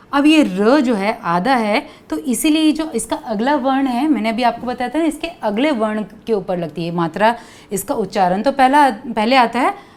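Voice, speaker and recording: Patient woman teaching kids slowly. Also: mid-range voice. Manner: patient, repeats words slowly for children. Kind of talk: children's grammar lesson.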